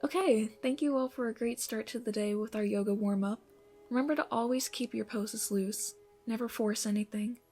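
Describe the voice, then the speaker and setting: A woman playing a gentle, encouraging yoga instructor in an ASMR roleplay, giving soothing, breathy instructions that often soften toward a whisper. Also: on the high side, moderate pace, soft background music, lightly acted. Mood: calm, encouraging. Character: gentle, encouraging female yoga instructor leading a morning class.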